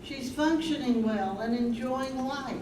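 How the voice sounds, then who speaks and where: A woman's voice: high-pitched, measured pace. Woman as stage narrator, distant and echoey. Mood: measured. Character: female storyteller, plain and measured. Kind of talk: staged reading, scripted narration. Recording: echoey distant stage recording, clear noise.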